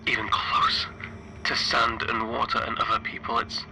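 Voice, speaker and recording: A man playing a stranded, grieving spaceship engineer recording a radio-like log for a horror tabletop game, halting and deliberate with long pauses. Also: medium pitch, completely flat delivery, gravelly, sharp tone, slight background noise, low-quality recording. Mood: wistful, bitter. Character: stranded male spaceship flight engineer, weary, grieving lone survivor.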